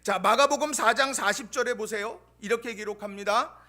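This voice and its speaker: A man preaching in a church sanctuary, his voice pitched unusually high and ringing bright. He moves from loud, emphatic proclamations to near-whispered asides as he builds his sermon. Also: a little fast. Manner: preaches with dramatic swings between loud proclamations and hushed asides. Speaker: pastor.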